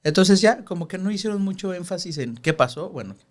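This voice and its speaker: Earnest man explaining scripture, higher voice. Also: lively intonation, brisk. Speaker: podcast host. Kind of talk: casual chat explaining scripture.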